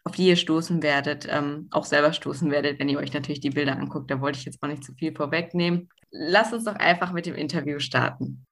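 A woman's voice: deep voice, fast, gravelly, hardly any pauses. A woman co-hosting a podcast, speaking enthusiastically and stressing words by repeating them. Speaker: podcast co-host. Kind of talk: casual podcast chat.

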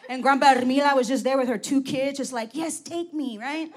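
Brief: high-pitched woman in her forties, loud and profane stand-up delivery. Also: a little fast. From Los Angeles. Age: 40s. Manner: brash, profane, loud punchlines. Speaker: stand-up comic. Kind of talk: stand-up comedy set.

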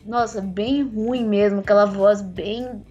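Soft-spoken woman with a slightly rough voice. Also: mid-range voice, fairly even intonation, lo-fi sound, faint music behind. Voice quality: voice still rough since a tracheostomy. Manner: earnest, halting, with many fillers and restarts. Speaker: interviewee. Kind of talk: personal account in a conversation.

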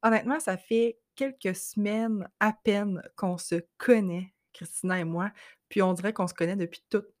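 A woman's voice: mid-range voice, normal speed, darkish tone, no echo, clean studio sound. A woman with a Quebec French accent hosting a podcast interview, talking in an effusive, enthusiastic way. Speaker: podcast host.

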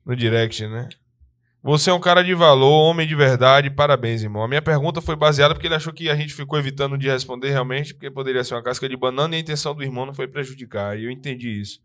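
A man's voice: medium pitch, rapid-fire, a bit bright. A man from Brazil co-hosting a casual podcast, reading out viewer messages and answering them earnestly. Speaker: podcast co-host.

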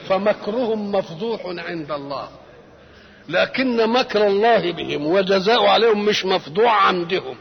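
An older religious scholar with an Egyptian Arabic accent gives a Quran commentary lecture in a high, animated, creaky voice at a moderate pace. The muffled recording has a long reverb tail, and he repeatedly asks rhetorical questions and answers them himself.

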